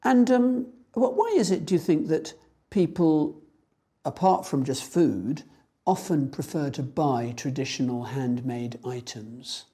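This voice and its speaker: A woman with a notably deep voice conducts a formal spoken exam. Her intonation rises and falls widely, and her tone is on the mellow side. She puts her questions in a measured, procedural manner. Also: animated, husky. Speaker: speaking test examiner.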